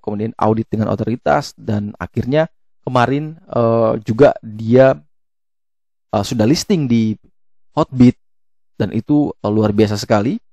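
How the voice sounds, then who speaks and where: An Indonesian YouTube host with a mellow, medium-pitched voice and vocal fry casually explains crypto tokens while walking through a web page. He speaks haltingly, hesitating often and correcting himself, with no room sound.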